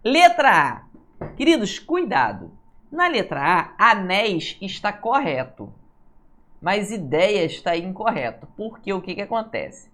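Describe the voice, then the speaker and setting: A Brazilian woman teaches Portuguese for civil service exams in an online prep lesson, going through answers and frequently checking in with "tá, pessoal?". She's lively, speaks at medium pitch, and slowly stretches words out when stressing a rule.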